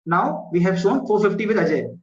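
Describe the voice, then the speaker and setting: A man's voice: sits high, lively intonation, brisk. A man with a South Asian accent teaching an online school maths class, explaining step by step, repeating himself and checking that students understand. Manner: repetitive, checks understanding with short questions. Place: indoor room, online video class. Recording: muffled, echoey online class audio.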